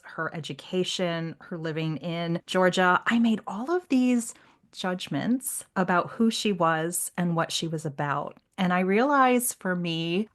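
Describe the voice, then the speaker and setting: A woman hosting a literary discussion podcast, speaking in an articulate, reflective way with measured phrasing. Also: fairly low pitch. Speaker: podcast host.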